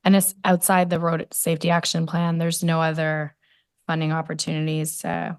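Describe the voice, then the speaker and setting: A woman city councillor with laryngitis, asking questions at a committee meeting in a hoarse voice with hesitant fillers. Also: sits low, completely flat delivery, moderate pace, no echo, studio quality.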